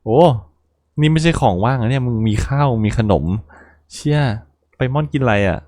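A man's voice: mid-range voice, moderate pace, a little mellow, no echo, studio quality. A young man casually commenting on a game he plays, crude and joking, swearing often. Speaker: gaming channel host.

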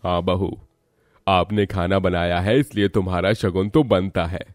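Casting: man for a kindly older father-in-law, animated drama, deep voice, reassuring delivery. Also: a little slow, no echo, studio quality. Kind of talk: animated family story acting.

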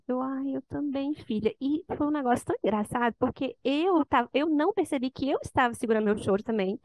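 A woman's voice: high voice, dry recording, low-quality recording. A woman with a Brazilian Portuguese accent, telling personal parenting stories in a discussion circle and often adding tag questions. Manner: storytelling, frequent tag questions. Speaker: panelist sharing parenting experience. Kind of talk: casual talk in a discussion circle.

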